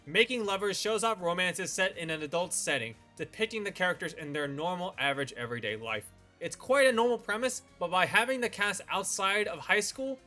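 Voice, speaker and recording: A man narrating a scripted video review as its host, presenting in a measured, announcer-like way. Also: on the high side, sharp tone. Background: background music.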